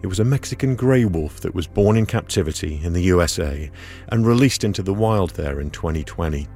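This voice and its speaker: A man reporting outdoors, narrating a documentary story in a calm, measured way. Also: sits low, soft background music. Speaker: radio reporter. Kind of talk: scripted documentary narration with field interviews. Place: outdoors at a border wall, in the hot sun.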